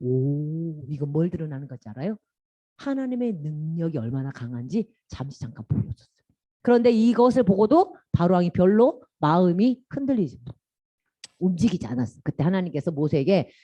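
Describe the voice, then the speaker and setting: A woman giving a children's sermon as a Sunday school teacher, animated and constantly quizzing the children. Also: lowish voice, fairly quick, no room sound, lo-fi sound.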